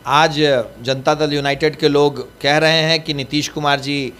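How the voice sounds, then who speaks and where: A man's voice: a little high, little pitch movement, a little slow, pushed and bright. A man speaking as a party spokesperson in a political interview, emphatic and rhetorical, repeating his points.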